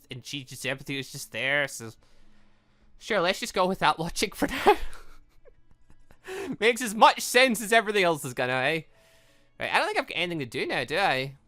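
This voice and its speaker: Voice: mid-range voice, pushed and bright. A gaming video host giving casual, chatty, jokey commentary while playing through a game and reading its dialogue aloud.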